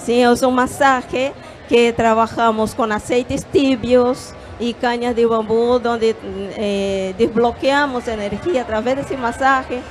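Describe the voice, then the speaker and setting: A Brazilian woman yoga teacher speaking Spanish in a gentle, measured way with small hesitations, on a handheld mic at a fair stand. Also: on the high side, fairly even intonation, soft background music. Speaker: yoga teacher and holistic therapist. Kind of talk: calm explanatory interview answers. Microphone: handheld microphone.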